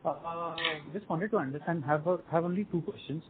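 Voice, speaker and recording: A man asking informal questions as an investor on an earnings call, haltingly piecing them together over the phone. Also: fairly high pitch, background noise. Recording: muffled narrowband phone line.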